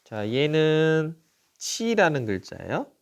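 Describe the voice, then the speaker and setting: A middle-aged man teaching a recorded lesson in a smooth, clear voice that rises and falls a lot. He speaks at an unhurried pace, asks the class a question and then answers it himself. He repeats each syllable slowly so every sound is distinct. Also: a little high, big pitch swings. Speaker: Japanese teacher.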